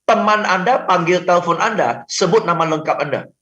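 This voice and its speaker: A man, a sales trainer, giving advice on a radio talk show, animated, laughing often, acting out phone calls and mixing in English phrases. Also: sits high, moderate pace, roomy sound, muffled recording. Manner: mixes English phrases into speech.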